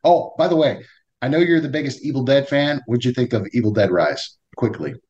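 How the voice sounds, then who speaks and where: Joking podcast dude, laughs a lot, mid voice. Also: male voice, medium pitch, fairly quick, darkish tone, muffled recording. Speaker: podcast co-host. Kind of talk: casual chat.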